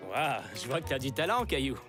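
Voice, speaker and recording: A man's voice: mid-range voice, big pitch swings, brisk, music in the background, lightly acted. A man voicing a friendly, enthusiastic archaeologist who teaches patiently, with an encouraging, explanatory manner, in a children's cartoon dub.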